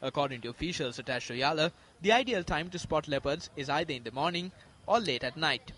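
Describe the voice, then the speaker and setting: A man's voice: on the high side, expressive, fairly quick, a bit bright. A man delivering scripted nature documentary narration as a news reporter.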